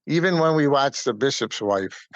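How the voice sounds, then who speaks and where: A man talks casually in a medium-pitched voice, repeating words to make his point. The recording is dry but a little dull. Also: animated, unhurried, no echo. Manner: emphatic, repeats words for emphasis. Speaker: guest, community theatre player. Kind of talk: casual conversational storytelling. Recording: slightly dull, lo-fi audio.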